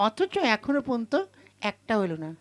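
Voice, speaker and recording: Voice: medium pitch, big pitch swings, brisk. A performer voicing an irritable, hungry goddess puppet who grumbles and scolds in a Bengali folk comedy. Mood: impatient grumbling. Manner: grumbling, scolding, corrects sharply. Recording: loud music behind the voice. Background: music.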